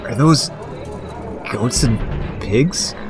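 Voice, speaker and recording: A man's voice: medium pitch, extremely slow, over music. An actor playing a cocky, eager teenage boy who teases and goads a friend in an audio drama. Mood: amazed, joking. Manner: brash, teasing.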